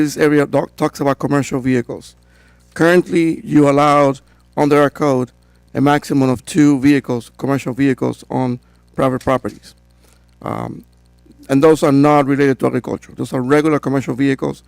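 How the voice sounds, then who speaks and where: A man presenting to a town council, his voice hoarse from a cold. He speaks in a flat, level tone with little rise and fall, steady and procedural, with filler sounds between points. The sound is dry and close. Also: mid-range voice, no echo. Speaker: code enforcement director.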